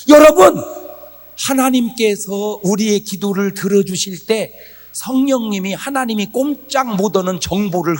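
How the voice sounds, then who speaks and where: A high-voiced man preaches a revival sermon, his pitch swinging widely as he bursts into shouted, dramatized prayers. His voice carries through a long reverberant hall. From South Korea. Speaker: pastor. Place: church sanctuary before a congregation.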